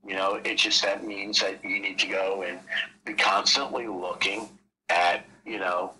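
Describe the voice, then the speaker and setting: A man's voice: deep voice, fairly even intonation, unhurried, sharp tone, slight background noise, low-quality recording. A man explaining trading casually on a call, rambling and leaning on "you know" between thoughts. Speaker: trading mentor.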